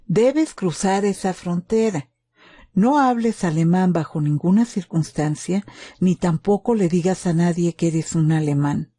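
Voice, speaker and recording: A woman voicing a calm, protective male soldier in a wartime story, instructing and reassuring. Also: on the low side, a little slow, slightly rough, no echo. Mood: urgent, instructing. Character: calm, protective German soldier, adult man.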